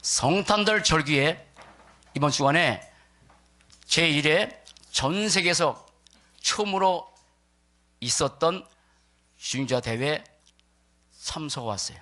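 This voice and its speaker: A man preaching to a congregation as a pastor, stressing key words in deliberate phrases and putting questions to his listeners. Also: a little high, lively intonation, bright, forceful tone. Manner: puts rhetorical questions to listeners. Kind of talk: church sermon to a congregation.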